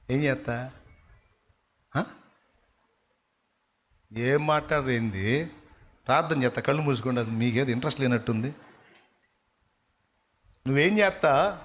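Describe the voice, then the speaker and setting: A male pastor preaching a sermon in an animated way, putting questions straight to his congregation. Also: mid-range voice.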